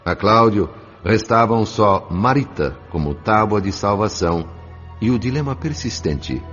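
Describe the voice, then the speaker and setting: A man's voice: fairly low pitch, expressive, unhurried. A man giving scripted, dramatic narration for an audiobook radio drama. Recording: dull audio over soft music.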